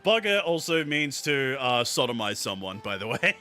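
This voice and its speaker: A man's voice: medium pitch, sing-song, normal speed, bright, forceful tone, faint music behind. A man streaming a game with a friend, joking, reading on-screen text aloud and laughing often. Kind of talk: casual let's-play commentary.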